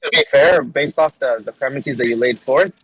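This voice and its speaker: A man arguing the Muslim side in an online voice-chat debate, who talks quickly, repeats words and asks if others follow. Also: medium pitch, a crowd in the background, poor audio. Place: voice chat call.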